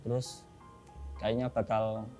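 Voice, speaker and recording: A man's voice: lowish voice, level tone, slow pace, mellow, soft background music. A young man as a podcast guest, talking casually in a shy, rambling, self-deprecating way and laughing often. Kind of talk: casual interview chat.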